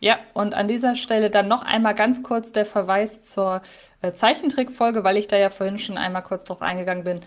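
A woman's voice: medium pitch, steady tone, fairly quick. Woman, podcast co-host, chatty recap with fillers, mid-range voice. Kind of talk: casual chat, recapping a radio-play episode.

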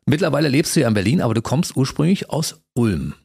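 A man hosting a late-night radio talk show speaks quickly and with a lot of melody in his voice. His voice is fairly low and slightly husky. He interviews his guest in a chatty, enthusiastic way. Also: big pitch swings, a little mellow, no room sound, studio quality. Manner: chatty and enthusiastic, often laughing. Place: radio studio.

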